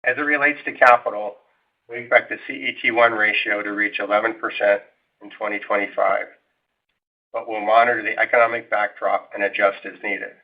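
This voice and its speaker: Over a narrow, tinny phone connection, a man with a fairly low voice delivers prepared financial remarks. He sounds like a company executive on an investor call, formal and measured in how he presents. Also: steady tone.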